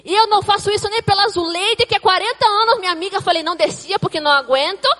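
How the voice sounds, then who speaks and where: Rich: A high-pitched, chatty mother, played by a woman in a stage sketch, who retells everything with dramatic quoted asides. Her voice rings with a long reverb, as from a large hall. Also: quick pace, fairly bright tone. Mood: excited. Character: excitable chatty mother, adult woman, storyteller. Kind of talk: comic church sketch acting.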